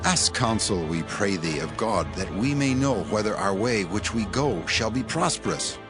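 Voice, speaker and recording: An actor playing an inquiring ancient tribal scout in a dramatized scripture reading, with formal delivery. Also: male voice, lowish voice, animated, moderate pace, music in the background, close to an everyday voice. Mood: requesting.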